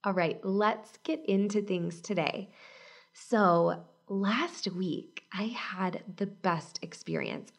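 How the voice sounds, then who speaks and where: A woman in her thirties hosting a casual solo podcast, upbeat and chatty, her voice husky from a cold. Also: medium pitch. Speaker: podcast host and business coach.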